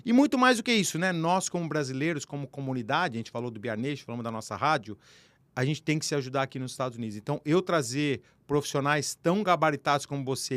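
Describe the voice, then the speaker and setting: A man's voice: medium pitch, dry recording. A man hosting a podcast interview, effusive and welcoming toward his guest. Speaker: radio and podcast host.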